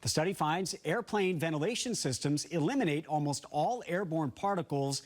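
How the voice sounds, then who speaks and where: A man's voice: fairly high pitch, expressive, moderate pace. A man with an American accent reading the news as a broadcast anchor.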